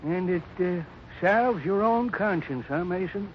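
An actor playing a polite but secretly bitter old American man in a 1950s radio drama, halting and guarded. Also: sits high, lively intonation. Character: polite old stranger hiding bitter thirst for revenge. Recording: muffled, hissy 1950s radio recording.

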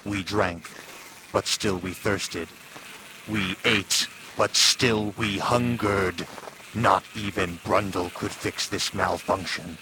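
A ravenous corpse run by bees. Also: male voice, deep voice, fairly even intonation. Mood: ominous. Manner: slow, menacing, hollow. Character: bee-puppeted dead man, hungry swarm. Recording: loud ambient noise.

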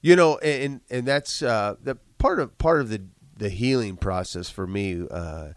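A business owner speaks candidly in an interview, congested and with a chesty cough, talking emphatically and repeating words often. His lowish voice moves at a moderate pace. The recording is dry, with clean studio sound.

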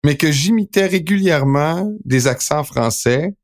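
Middle-aged Québécois co-host, rambling casual chat. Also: male voice, a little high, animated, a little slow. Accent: Québécois French. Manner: rambling, many fillers and restarts. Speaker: sports podcast co-host.

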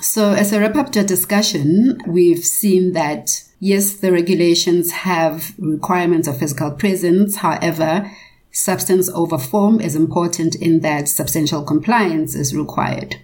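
Low-voiced woman, formal and measured. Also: a little mellow, low-quality recording. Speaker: discussion panelist and moderator. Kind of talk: prepared legal panel discussion.

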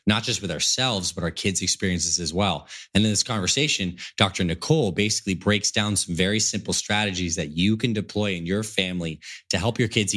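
A man hosting a podcast, upbeat and enthusiastic, his voice slightly raspy from a cold. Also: lowish voice. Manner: energetic, enthusiastic, calls listener "my friend". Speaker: podcast host.

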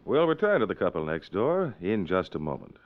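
A man's voice: low-pitched, huge pitch swings, fairly quick, soft background music. An American man announcing on 1950s network radio with formal, polished, scripted delivery. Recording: dull, lo-fi 1950s radio recording.

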